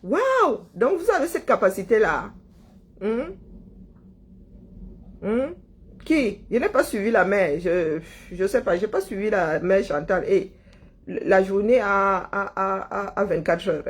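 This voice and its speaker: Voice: mid-range voice, animated, slow pace, long pauses, breathy edge. A livestream host, chatting casually and greeting viewers by name, rambling and chuckling and stumbling over words.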